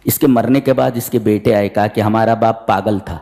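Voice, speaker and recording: A gravelly-voiced man preaches a sermon explaining the Quran, narrating the story with lively, theatrical flair. He leaps into high-pitched voices to act out characters and chants the Arabic verses slowly, with hall reverb on the recording.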